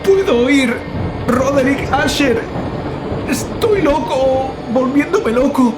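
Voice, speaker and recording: Scared writer going insane, horror audiobook, drawn-out slow fevered delivery, loud music behind him. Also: male voice, extremely high pitch, animated, full character voice, low-quality recording. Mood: panicked, deranged. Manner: anguished, halting, fevered declamation. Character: terrified male writer descending into madness, writing final frantic notes. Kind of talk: dramatized horror audiobook monologue.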